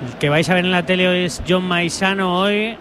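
A high-pitched male radio commentator with a Spanish accent from Spain calls a football match. He slips easily into chatty jokes with his colleagues, over clear stadium noise. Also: fairly even intonation, normal speed. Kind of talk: live match commentary with casual banter. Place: press area at a football stadium. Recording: loud stadium and street noise behind.

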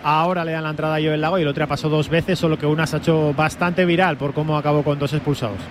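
A man's voice: fairly high pitch, steady tone, rapid-fire. A man with an accent from Spain giving live match detail and explanation as a radio co-commentator. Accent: Spanish from Spain. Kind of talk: live match analysis and information. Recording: clear stadium noise behind.

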